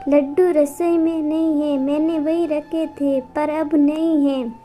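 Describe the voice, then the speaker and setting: A timid young daughter-in-law voiced by a woman answers politely in a high, slow voice. She is a character in a storybook. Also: steady tone, warm tone, soft background music. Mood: meek.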